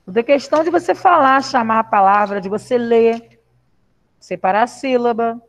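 A Brazilian primary school teacher with a Brazilian Portuguese accent teaches children in a live online class over a video call, with lo-fi audio. She is patient and reassuring, asking coaxing questions. Her voice is on the high side at a normal speed.

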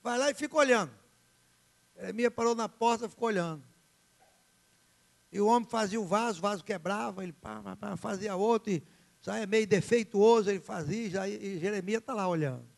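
A male pastor preaches an animated sermon and plays out its characters dramatically. His voice sits high and has a gravelly edge. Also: brisk.

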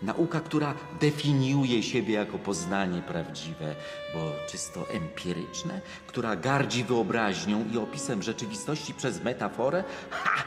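Deep-voiced philosophical monk. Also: male voice, expressive. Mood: indignant, fervent. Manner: rhetorical, measured, eloquent. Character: wise, philosophical male monk, fervent and consoling mentor. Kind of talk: radio drama acting. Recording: echoey hall reverb with music behind.

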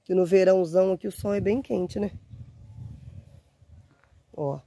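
A gardening vlogger in her forties, slightly hoarse from a cold, chats casually to her phone camera at arm's length in a windy garden, with faint wind noise in the background. Her mid-range voice has fairly even intonation and a measured pace. She's warm and chatty, often dropping in "gente" and diminutives.

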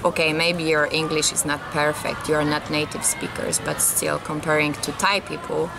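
A woman's voice: low-pitched, little pitch movement, moderate pace, creaky, echoey room, background noise. A woman in her thirties with a Polish accent, an English teacher speaking in friendly, non-native English. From Poland.

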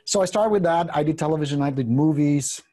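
A man's voice: fairly high pitch, fast, warm tone. A man in his fifties with a Czech accent, a guest coach telling his story bluntly and jokingly, with some swearing, into a desk microphone in an indoor studio. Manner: blunt, profane, joking, gestures a lot. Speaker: guest real estate coach. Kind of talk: candid storytelling in a video interview. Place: indoor studio room with brick wall. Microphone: desk condenser microphone.

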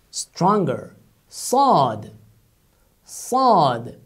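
A male language teacher who speaks at a very slow, unhurried pace, giving a recorded online lesson. His pitch rises and falls a great deal as he explains. He repeats each sound deliberately to demonstrate it. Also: a little mellow. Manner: patient, explanatory.

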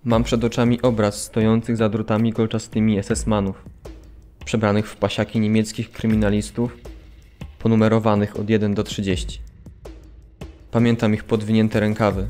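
A man acting as a camp survivor remembering, with steady, solemn radio-drama narration. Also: lowish voice, normal speed, faint music behind, close to an everyday voice. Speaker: actor reading a prisoner's account.

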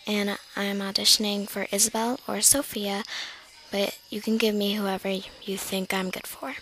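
A woman's voice: mid-range voice, flat delivery, moderate pace, a bit bright. A woman casually introducing her amateur voice acting audition on a noisy home recording.

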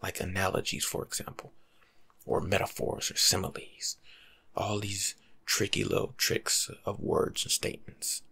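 A young American man giving rambling, slangy ASMR life advice in a hushed, breathy voice, playful and animated, close to the mic in a room at home. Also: low-pitched, a little slow. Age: young adult. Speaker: ASMR video creator. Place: small indoor room at home.

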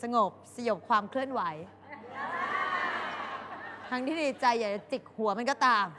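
A woman's voice: a little high, unhurried, long reverb tail, a crowd in the background, background noise. A woman hosting a TV talk show, giving chatty, comic advice to viewers and acting out little quoted voices.

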